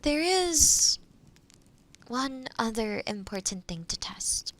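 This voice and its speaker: A woman playing a kind, gentle forest witch in an audio roleplay, speaking softly and soothingly to the listener. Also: on the high side, very animated, takes it slowly, heavily acted. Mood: affectionate, curious. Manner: soothing, caring, softly breaking into whispers. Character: kind, gentle forest witch who loves helping others.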